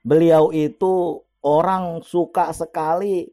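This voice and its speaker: A man's voice: on the high side, little pitch movement, slow pace, mellow. A middle-aged man, casually telling a personal story with frequent chuckles. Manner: chatty, laughs often while telling; opens with Islamic greetings and prayer.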